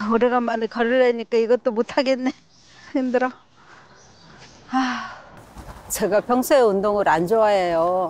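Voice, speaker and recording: A woman talks fairly slowly at a fairly high pitch, with ordinary pitch variation and very even loudness. Long, frequent pauses break up her speech, and the sound is dry and close with no echo. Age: 50s. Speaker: TV health show participant. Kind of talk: casual talk.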